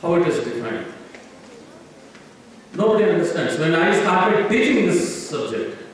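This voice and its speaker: A man's voice: a little high, sing-song, a little slow. A man in his forties with an Indian English accent, a law professor giving an emphatic public lecture from a podium, repeating words as he restarts his sentences. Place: large indoor hall, standing at a podium. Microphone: podium microphone, picked up from a distance. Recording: echoey hall, distant mic, faint noise.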